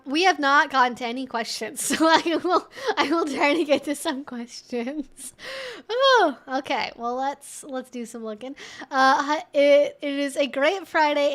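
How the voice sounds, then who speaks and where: A woman's voice: sits high, a bit bright. A young woman hosting a livestream, chatting informally and thinking aloud in a rambling way as she answers viewers. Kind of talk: casual livestream chat.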